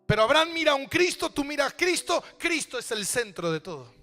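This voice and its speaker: A man's voice: very high voice, very animated, a little fast, pushed and bright, faint music behind. A man pastor preaching a sermon, asking rhetorical questions and repeating phrases for emphasis. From Argentina.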